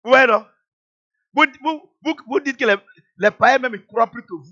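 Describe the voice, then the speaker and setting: Emphatic preacher with a cold, high voice. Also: male voice, normal speed, bright, forceful tone, lo-fi sound. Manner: emphatic, repetitive, mocking rhetorical questions. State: has a cold. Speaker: pastor. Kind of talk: sermon.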